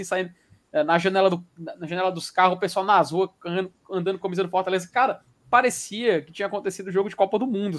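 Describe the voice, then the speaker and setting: A man hosting a live show in casual, slangy chat, reading viewer comments aloud. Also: high-pitched. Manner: excitable, slangy, full of fillers.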